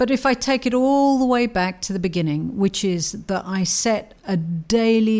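Using a normal speaking voice, a woman talks at a moderate pace with lively intonation on a very clean recording with a silent background. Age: 60s. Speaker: novelist and podcast host. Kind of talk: casual monologue.

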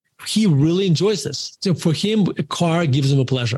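Lively in intonation and fairly high in pitch, a man speaks with a Russian accent. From Soviet Russia. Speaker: author. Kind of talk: interview. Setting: call.

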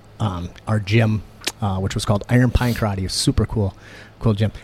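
A man speaks at medium pitch and a fairly quick pace. Noticeable background noise can be heard. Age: 30s. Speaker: podcast host and martial arts coach. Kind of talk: casual chat.

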